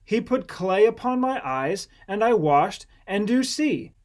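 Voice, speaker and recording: Male narrator as earnest healed blind man, bold and emphatic, pitched well up, scripture audiobook. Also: expressive, unhurried. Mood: earnest, eager.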